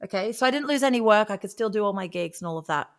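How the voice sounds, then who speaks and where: A woman speaking as an interview guest, telling personal stories in a casual, conversational and animated way. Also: medium pitch, fast talker. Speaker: guest, singer and vocal coach.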